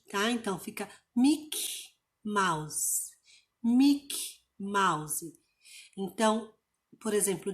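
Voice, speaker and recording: A woman from Brazil teaching an online English lesson, explaining pronunciation rules patiently and repeating example words slowly. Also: mid-range voice.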